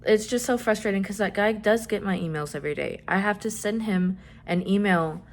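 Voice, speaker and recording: A young trans man chatting casually in a vlog, rambling with lots of fillers and some swearing, his voice rising when he gets excited. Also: a little fast. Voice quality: voice still fairly high, rising when excited. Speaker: vlogger.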